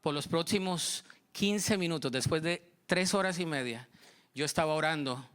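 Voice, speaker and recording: A Colombian man preaches in church with a high, bright voice. He tells his story with lively energy, acting out both sides of each conversation. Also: moderate pace, clean tone. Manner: storytelling, acting out dialogue, animated. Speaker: pastor. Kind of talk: sermon.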